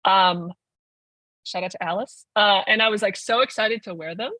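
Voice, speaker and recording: A man's voice: high-pitched, moderate pace, pushed and bright, dry recording. A 21-year-old trans man and podcast guest, chatting casually and rambling with lots of "like.". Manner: rambling, heavy use of "like". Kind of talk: casual conversation.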